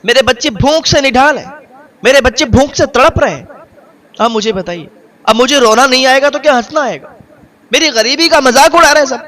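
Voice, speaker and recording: A man's voice: very high voice, pushed and bright, voice pushed up. A man voicing a poor, heartbroken father who pleads tearfully and repeats himself in long lists.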